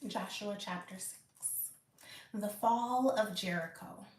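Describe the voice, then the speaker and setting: A woman hosting a live Bible reading and study, reading aloud slowly and carefully with small slips and restarts. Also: medium pitch, roomy sound, a little hiss or hum. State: out of breath.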